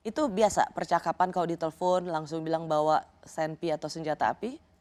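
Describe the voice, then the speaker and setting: Woman interviewer, lowish voice, keeps asking short pointed follow-ups. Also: steady tone, fairly quick, a little mellow. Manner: probing, asks short follow-up questions. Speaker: talk show host.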